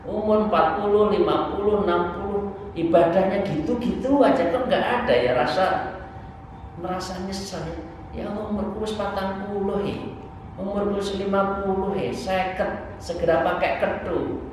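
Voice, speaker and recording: A man's voice: sits high, normal speed, a little mellow. A man in his sixties with a Javanese accent gives an informal religious lesson, exhorting conversationally with rhetorical asides. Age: 60s. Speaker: Islamic preacher and Sufi teacher. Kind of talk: sermon, informal religious lesson explaining a book. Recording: very echoey hall, distant mic, faint noise.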